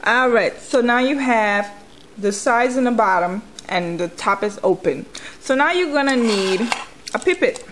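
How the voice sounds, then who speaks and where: A woman's voice: fairly high pitch, unhurried, a little hiss or hum. A woman chewing gum while she talks, giving an informal, step-by-step nail tutorial in a conversational way. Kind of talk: casual hands-on tutorial talk.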